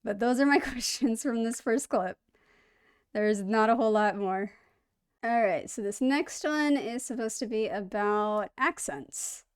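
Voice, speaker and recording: A woman's voice: a little high, a little slow, smooth. A woman hosting a reaction video, chatting casually in an upbeat, rambling way and poking fun at herself.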